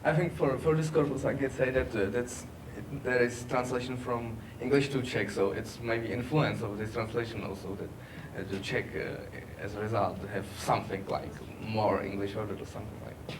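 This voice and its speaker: A man giving a technical workshop presentation, halting with many fillers. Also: medium pitch, fairly even intonation. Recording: distant mic, background noise.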